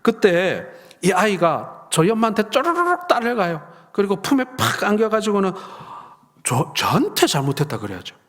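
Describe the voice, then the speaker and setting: Middle-aged male pastor, lively storyteller voicing family dialogue, slightly raised pitch, echoing sanctuary. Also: moderate pace. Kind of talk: sermon. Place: church sanctuary. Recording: long reverb of a church hall.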